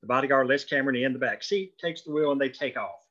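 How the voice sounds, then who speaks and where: A man's voice: medium pitch, fast talker, a bit bright. A man reading screenplay stage directions as scripted narration at a table read, on dull lo-fi audio.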